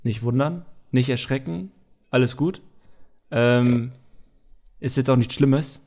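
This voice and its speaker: A man's voice: medium pitch, takes it slowly. A young man co-hosting a casual podcast, talking loosely with lots of fillers and asides. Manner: relaxed, rambling with many fillers. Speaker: podcast co-host.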